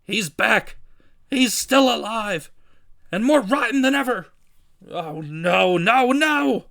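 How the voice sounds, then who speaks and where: Guy acting out a furious newspaper boss from a comic, high yelly voice, super blustery. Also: lively intonation, takes it slowly, gravelly, heavily acted. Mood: anguished despair. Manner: blustering, yelling, theatrical.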